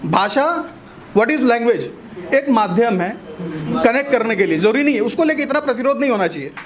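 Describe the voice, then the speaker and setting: A man's voice: extremely high pitch, expressive, normal speed, a crowd in the background. A man performing a stand-up comedy set, chatty and teasing the audience with questions.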